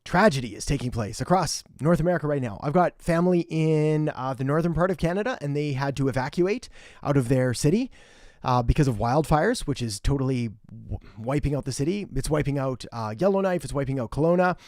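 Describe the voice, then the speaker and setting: A man's voice: fairly high pitch, animated, brisk, darkish tone, no echo, clean studio sound. A young man hosting a live marketing Q&A, chatty and direct, greeting viewers by name and giving blunt advice. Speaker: marketing host. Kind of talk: live-stream Q&A, casual chat. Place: home in western Canada.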